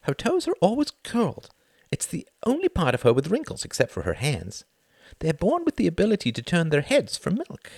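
Man voicing a high, strained, exhausted young mother. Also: huge pitch swings, a little fast, creaky, darkish tone, dry recording, studio quality, full character voice. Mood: tender. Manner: strained, complaining, high-flung speech. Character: harried, exhausted young mother, sharp-tongued and self-dramatising.

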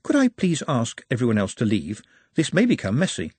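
A man voicing a polite, precise male orc who stays menacingly calm and speaks in formal, pedantic phrases. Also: mid-range voice, fairly quick, slightly rough, no room sound. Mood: courteous.

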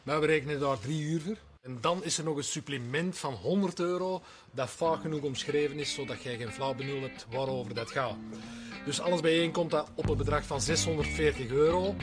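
A man acting out a crooked garage owner who mocks his customer as he names the price. He sounds smug and sits a touch high, and music plays clearly behind him in this TV sketch. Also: moderate pace, close to an everyday voice. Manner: smug, mocking. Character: swindling male garage owner, smug and mocking. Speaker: actor in a TV comedy sketch.

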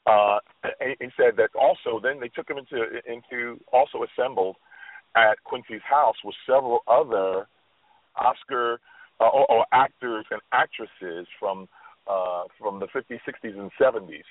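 A man's voice: medium pitch, moderate pace, no room sound. A man co-hosting a radio talk show, telling a story and reflecting on it earnestly, with frequent restarts. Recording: tinny phone line.

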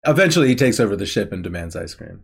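A man's voice: fairly low pitch, sing-song, rapid-fire, creaky, crowd noise. Male co-host, casual and wry, laughs through his recap. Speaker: podcast co-host. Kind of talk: casual episode recap chat.

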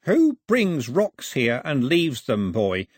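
A bitter, accusing elder from a storybook, acted by a man. He hisses slowly and scornfully. The voice is raised in pitch with a husky edge. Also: huge pitch swings, no room sound, studio quality, exaggerated voice.

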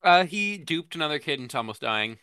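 A man's voice: a little high, very animated, brisk, a crowd in the background. A man in casual banter as a podcast co-host, throwing in teasing, sardonic remarks.

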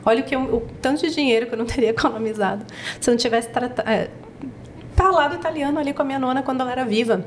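Brazilian woman podcast guest, fast and bright-voiced, spirited storyteller. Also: high-pitched, slight background noise. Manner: animated storyteller, acts out quotes. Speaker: podcast guest, project founder. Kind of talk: casual podcast chat.

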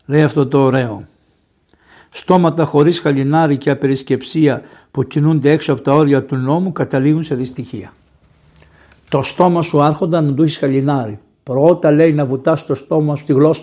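A man from Greece, a priest giving a sermon in a lively, conversational way, often raising his voice for emphasis. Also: on the high side. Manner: lively, conversational preaching with sudden raised emphasis.

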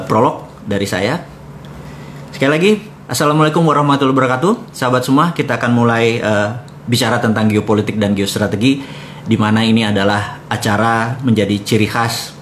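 A low-voiced man hosts a live talk, speaking directly to his listeners in a conversational, storytelling manner. He gets animated when he acts out conversations. A faint hum of noise sits behind him. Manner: conversational storyteller addressing the audience; animated when reenacting dialogue. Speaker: host of a live economics talk.

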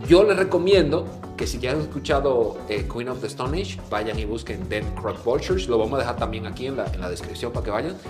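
A man from the Caribbean co-hosting a podcast, telling stories in an animated, slangy way. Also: medium pitch, fairly quick, hardly any pauses. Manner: animated, slangy, acts out his own shouts. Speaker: podcast co-host. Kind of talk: casual storytelling chat. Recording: echoey room with faint music.

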